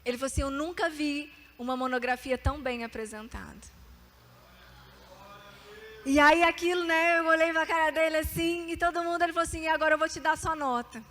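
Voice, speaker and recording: High-voiced young woman preaching to youth. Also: a little fast. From Brazil. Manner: animated, calls for amens and repeat-after-me. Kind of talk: sermon with testimony.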